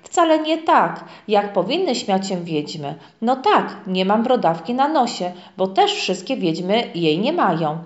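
A woman's voice: medium pitch, very animated, unhurried, hardly any pauses. A woman voicing a small, shy grey house, a polite and timid male character in a storybook. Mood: anxious. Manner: polite, anxious questions. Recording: echoey, dull lo-fi room.

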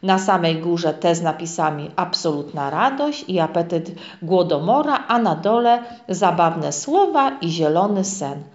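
A woman reads a children's story aloud with a lively, gentle delivery. Her voice sits fairly low and moves widely in pitch. The recording is muffled and echoey. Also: a little slow, few pauses. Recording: echoey, dull lo-fi room.

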